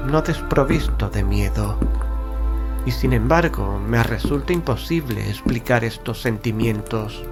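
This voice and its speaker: A man playing an uneasy, observant gentleman who narrates a gothic horror tale in a measured, solemn way. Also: medium pitch, lightly acted. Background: music.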